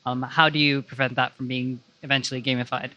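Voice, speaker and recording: A man posing a measured question at a live panel discussion. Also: medium pitch, level tone, sharp tone, no room sound, highs cut off.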